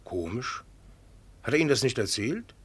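A sly, teasing painter uncle. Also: male voice, mid-range voice, very animated, normal speed, husky. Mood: mocking. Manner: teasing, ironic, playful. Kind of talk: radio play acting.

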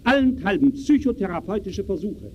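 An actor playing a grave lecturer who declaims in staccato phrases in an old-style radio play. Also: male voice, high voice, lively intonation, fairly quick, highs cut off, a little hiss or hum. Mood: grave, portentous. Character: grave male lecturer diagnosing a restless age. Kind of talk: scripted radio play monologue.

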